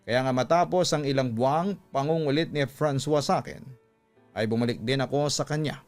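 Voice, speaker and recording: A man narrating a scripted love story for radio in an emotive, deliberate storytelling manner. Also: medium pitch. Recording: music under the voice.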